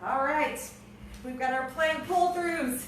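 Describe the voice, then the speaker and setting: A high-voiced woman, an aerobics and strength instructor leading a home workout, cues form in a peppy, encouraging way at an unhurried pace, exclaiming and cheering while breathing with effort. The distant mic picks her up in a very echoey, bare, noisy room.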